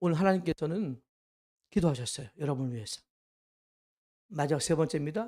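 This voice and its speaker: Extremely rapid talking, captured very cleanly against total silence. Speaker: pastor. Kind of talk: sermon. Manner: loud, shouting at times.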